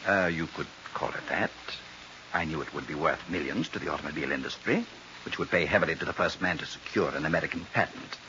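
An actor playing a cold, formal, soft-spoken murderous colonel in a 1940s radio crime drama, with an officer's precise manner. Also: male voice, extremely low pitch, fast talker. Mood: smug, menacing. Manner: formal, precise, coldly polite military officer. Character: soft-spoken, menacing male colonel, murderous gang boss. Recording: muffled, noisy old radio recording.

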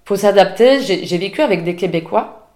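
A woman's voice: mid-range voice, animated, brisk, a little mellow. A woman from Belgium, a podcast guest, talking casually and hesitantly with many restarts. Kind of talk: casual conversation. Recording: roomy echo.

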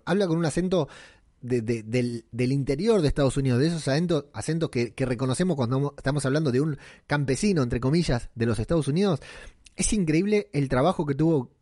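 Hombre argentino charlando, voz seca. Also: male voice, medium pitch, a little mellow, dry recording, studio quality. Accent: Argentine Rioplatense Spanish. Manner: rambling, colloquial, many fillers and restarts. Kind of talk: casual commentary on a TV series.

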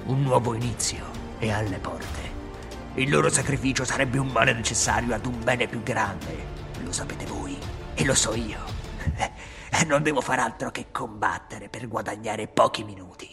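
A man's voice: mid-range voice, normal speed, gravelly, music in the background, lightly acted. A man doing a mad velociraptor villain. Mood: cold. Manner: cold and scheming.

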